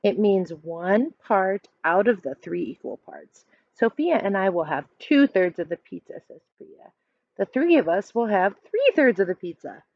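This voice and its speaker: A woman in her thirties reading a children's book aloud like a teacher, expressive and instructive, pausing to explain. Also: mid-range voice, creaky, dry recording. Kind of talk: read-aloud storytelling with explanations. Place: small furnished room indoors at home. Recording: dull lo-fi webcam sound.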